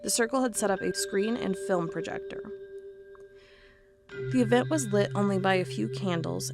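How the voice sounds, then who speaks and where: A woman's voice: mid-range voice, vocal fry, natural voice. A woman playing a stubborn, sarcastic investigator of cold cases in an audio drama, with a wry, defiant manner. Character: stubborn, sarcastic female cold-case investigator hunting monsters.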